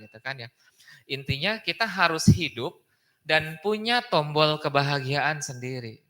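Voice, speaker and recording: A man's voice: fairly high pitch, sharp tone. A man giving a casual Islamic study talk in a mosque, chatty and often tagging his phrases with a questioning aside. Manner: chatty, tags phrases with "gitu kan ya". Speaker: preacher.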